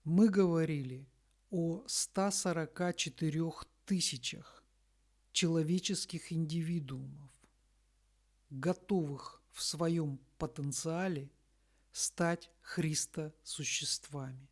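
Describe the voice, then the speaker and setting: A woman reading a scripted spiritual message in a solemn, deliberate manner, breaking it into short phrases with long pauses. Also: deep voice, darkish tone. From Russia.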